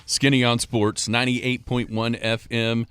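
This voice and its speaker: A man's voice: medium pitch, level tone, a little slow, fairly bright tone, faint music behind. A man hosting a sports radio show, chatting in an easygoing, joking, rambling way as he runs through scores.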